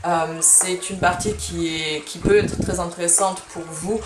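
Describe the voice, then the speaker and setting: A woman's voice: on the low side, steady tone, unhurried, music in the background. A woman in her early twenties, not a native French speaker, giving casual, informal advice to camera with emphatic repetitions. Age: early 20s. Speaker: student vlogger giving study advice. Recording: echoey room.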